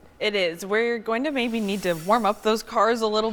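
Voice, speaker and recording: A woman's fairly high-pitched voice with ordinary pitch variation against noticeable background noise. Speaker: meteorologist. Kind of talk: TV weather forecast.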